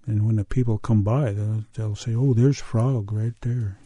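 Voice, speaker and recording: A man's voice: fairly low pitch, steady tone, measured pace, warm tone, breathy edge, dry recording. An older man voicing a stubborn coyote trickster in a spoken folk tale, grumbling and muttering.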